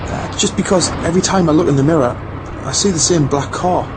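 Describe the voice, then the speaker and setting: A man's voice: fairly high pitch, a little fast, close to an everyday voice. A man playing a watchful, worried traveler phoning while driving, talking in a hesitant, casual way in an audio drama. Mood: uneasy. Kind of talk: conversational audio drama acting. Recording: noisy car interior ambience. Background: car and road noise.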